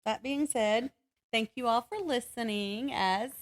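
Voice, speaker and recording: A woman's voice: on the high side, measured pace. Woman co-hosting a casual podcast. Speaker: co-host of a book podcast. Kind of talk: casual, unscripted chat.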